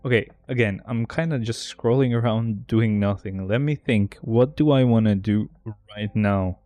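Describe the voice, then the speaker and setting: A man's voice: fairly low pitch, moderate pace, mellow, dry recording, soft background music. A man live-streaming a game, chatting casually with his viewers, joking and rambling and laughing at his own bits.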